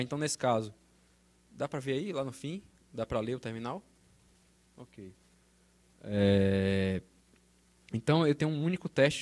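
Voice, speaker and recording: A man with a Brazilian Portuguese accent and a darkish, mid-range voice gives a technical conference talk featuring a live demo in an auditorium. He explains each step and regularly checks in with listeners, starting on a handheld microphone and finishing at the podium.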